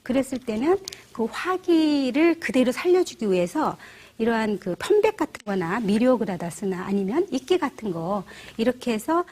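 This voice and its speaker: Woman, middle-aged, flower arranging instructor, husky, animated pitch, gentle explanatory manner. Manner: gentle, explanatory, asks viewers rhetorical questions. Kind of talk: instructional demonstration.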